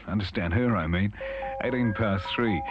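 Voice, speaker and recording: A man's voice: fairly low pitch, moderate pace, highs cut off, music in the background. A man doing casual, ad-libbed radio announcing on a 1970s aircheck.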